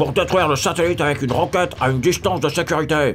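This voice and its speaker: A man races along at a very fast pace in a fairly high-pitched cartoonish character voice with fairly even intonation, against clear background noise. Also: very even loudness. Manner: kind.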